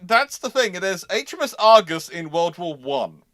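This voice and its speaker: A man hosting a live history question-and-answer session, talking haltingly and often repeating and rephrasing his words. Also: high-pitched, big pitch swings, fairly bright tone, no echo, studio quality. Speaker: host of a naval history livestream.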